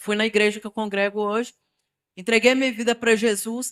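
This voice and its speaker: In a Brazilian accent, a woman speaks at a fairly quick pace with a fairly high pitch and fairly even intonation on a very clean recording with a silent background. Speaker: evangelical testimony speaker. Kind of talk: testimony.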